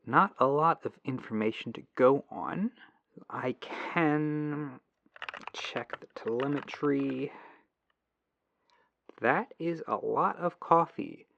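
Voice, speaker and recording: A man playing a patient, earnest tech-support agent in a gentle, reassuring ASMR phone roleplay, through a lo-fi telephone filter. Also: medium pitch, takes it slowly, gravelly, long pauses, no echo. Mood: attentive, curious. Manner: gentle, reassuring, apologetic, musing to himself. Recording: lo-fi muffled telephone sound.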